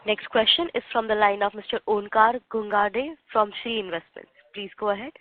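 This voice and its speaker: A woman's voice: medium pitch, steady tone, normal speed. A woman moderating an earnings conference call as operator, in scripted announcements. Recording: narrow, distant phone line.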